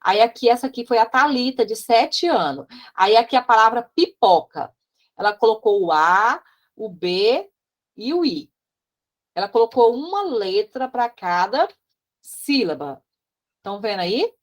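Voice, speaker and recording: A woman's voice: fairly high pitch, sing-song, a little slow. A Brazilian woman teacher explaining slides in a recorded class, chatty, with frequent tag questions and asides as she points things out. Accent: Brazilian Portuguese.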